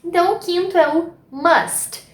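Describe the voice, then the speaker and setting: Brazilian lady teaching english grammar, high voice, slow and patient, echoey room. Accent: Brazilian Portuguese. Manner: patient, explains step by step with Portuguese translations. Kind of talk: online grammar lesson.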